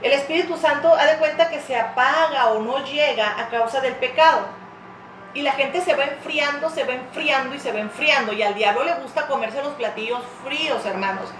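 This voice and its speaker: A woman's voice: high voice, normal speed, a bit bright, reverberant, a little hiss or hum, poor audio. A woman pastor preaching a sermon with passion, sometimes acting out tearful prayers.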